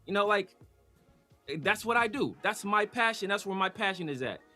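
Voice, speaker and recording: A man's voice: high voice, lively intonation, moderate pace, pushed and bright, faint music behind. A man hosting a casual sports talk show, arguing his points emphatically and pushing back on his co-host. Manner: emphatic, argumentative, talks over co-host. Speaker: podcast host.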